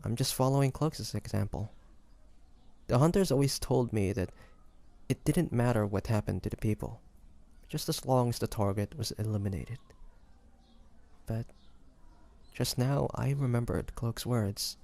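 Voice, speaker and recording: Hesitant, gravelly-edged earnest hunter played by a man. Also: medium pitch, no room sound. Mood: reflective, remorseful. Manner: hesitant, halting, soft-hearted delivery with pauses. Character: earnest young male demon hunter, guilt-ridden, gentle, hesitant. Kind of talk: dramatic audio roleplay acting addressed to the listener.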